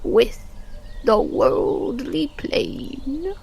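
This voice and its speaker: A woman's voice: high voice, huge pitch swings, drawn-out words, gravelly, dark tone, slight background noise, full character voice. A woman voicing a stern, stuffy intergalactic turtle professor who lectures solemnly in an audio-drama tabletop game, with music behind. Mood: patient, admonishing. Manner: stick-in-the-mud, solemn lecturing.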